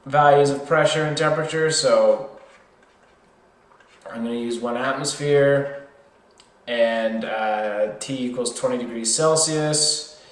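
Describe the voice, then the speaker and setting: A man tutoring in an informal way, working through a problem step by step and thinking aloud. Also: mid-range voice. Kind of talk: worked chemistry problem lesson, explained step by step. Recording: roomy, echoey sound.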